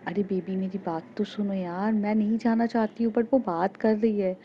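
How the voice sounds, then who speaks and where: A woman's voice: medium pitch, steady tone, moderate pace, dull audio, slight background noise, lightly acted. A woman voicing an affectionate woman teacher who pleads and coaxes her partner, in a storybook romance. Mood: coaxing. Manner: pleading, coaxing.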